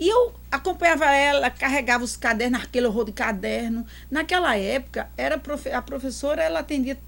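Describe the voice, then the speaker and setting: A woman talks at a fairly quick pace. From Paraíba, northeastern Brazil (João Pessoa). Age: 60s. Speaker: psychologist and human rights educator. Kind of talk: interview testimony. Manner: halting, with frequent repetitions.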